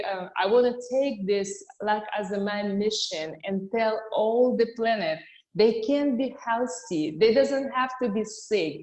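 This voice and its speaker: A woman in her fifties from Ukraine with a strong Russian accent, answering interview questions in a halting, earnest way. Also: a little high, darkish tone, echoey room, rough recording. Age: 50s. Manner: halting, earnest, many fillers. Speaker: distributor guest.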